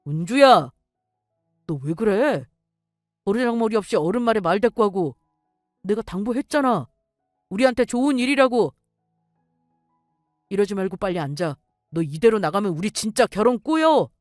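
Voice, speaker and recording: A woman's voice: mid-range voice, animated, moderate pace, pauses often, darkish tone, no room sound, studio quality, soft background music, lightly acted. A woman voicing a young man who pushes his girlfriend to give in to his mother. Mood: urgent. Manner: pleading, pushy.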